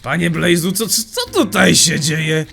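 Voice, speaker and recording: A young man giving excitable, slangy gaming commentary as a youtuber, often laughing. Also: a little high, unhurried, vocal fry, over music. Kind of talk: Minecraft let's play commentary.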